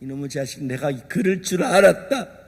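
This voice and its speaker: A stern father who barks gruff scoldings at his wayward son, as a preacher acts him out. The lines echo with a long reverb in a large hall. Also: on the high side, animated, normal speed, voice pushed down.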